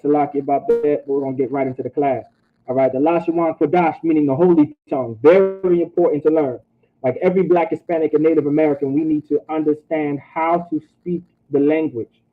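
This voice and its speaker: A man teaching an online language class, repeating phrases and checking in with "all right?". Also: on the high side. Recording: tinny phone-like audio.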